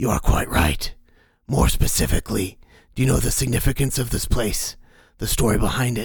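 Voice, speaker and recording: A man talks at a fairly quick pace in a put-on character voice. The voice is raspy and sits at a medium pitch. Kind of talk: measured, formal.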